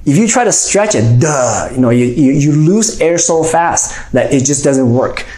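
A reading teacher in his forties, with a dark tone and a fairly high pitch, delivers his phonics instruction animatedly but a little slowly. He leans on "okay?" to check that learners follow. Indoors in a small room, his lapel mic yields an echoing, roomy sound.

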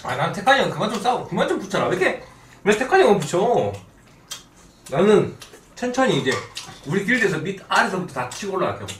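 A man's voice: high-pitched, sing-song, fast, fairly bright tone, distant mic. A man in his twenties chatting casually as a guest on a stream. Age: 20s. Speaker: guest, gamer. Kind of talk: casual chat. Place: small indoor streaming room. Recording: echoey room, off mic, faint noise.

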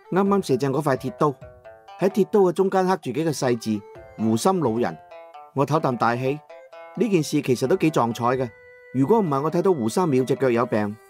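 Speaking Cantonese in a slightly high voice, a man narrates an audiobook in the first person. His storytelling is colloquial, expressive and dramatic.

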